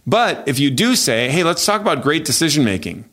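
A man hosting a Catholic podcast, giving animated, emphatic advice with joking asides. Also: on the high side, a little fast. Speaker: host.

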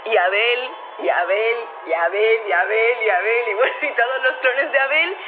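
A woman's voice: a little high, moderate pace, music in the background, close to an everyday voice. A woman playing an overjoyed, emotional interviewee in an audio drama, gushing and repeating herself. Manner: gushing, breathless repetition. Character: emotional, overjoyed young woman celebrating a vote. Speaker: interviewee on a news bulletin. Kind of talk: audio drama news call. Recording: tinny phone line with noisy background.

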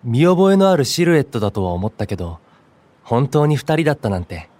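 Expressive, soft-spoken friendly man. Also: medium pitch, fairly quick. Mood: pleasantly surprised. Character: soft-spoken, friendly man, obliging local food expert. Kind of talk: Japanese voice drama acting.

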